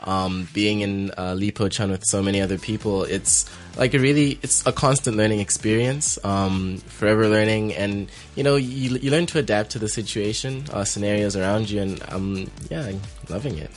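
Low-voiced young man, relaxed and halting. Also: faint music behind. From United States. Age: young adult. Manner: relaxed, filler-heavy. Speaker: student guest.

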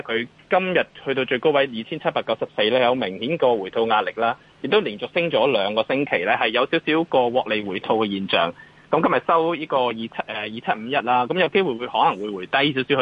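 A man's voice: mid-range voice, lively intonation, fast, husky, highs cut off. A man with a Hong Kong Cantonese accent giving off-the-cuff market commentary as an analyst, in a hesitant way that circles back over phrases.

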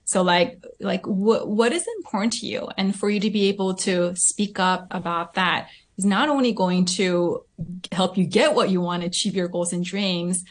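A woman's voice: mid-range voice, steady tone, normal speed. A woman from Southern California, in her thirties, answering interview questions as a coach, reflective and often adding "right?" to her points. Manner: reflective, frequent "right?" tags and fillers.

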